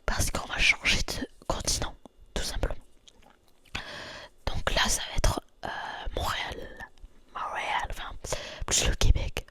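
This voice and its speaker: A young woman from France, whispering softly in an ASMR video and repeating words over and over in a dimly lit room. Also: unhurried, pauses often. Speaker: ASMR creator.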